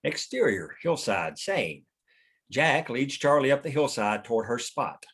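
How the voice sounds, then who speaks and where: Male narrator for a screenplay read, mid pitch, reading scene headings and action. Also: very animated, a little slow, a bit bright, breathy edge. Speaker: narrator reading stage directions.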